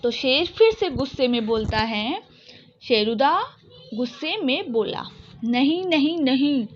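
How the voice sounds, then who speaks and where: Slow, high-voiced woman teaching a class. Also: sing-song, slight background noise. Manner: slow, repeats each line and explains it to children. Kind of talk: reading and explaining a children's story. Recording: muffled lo-fi recording.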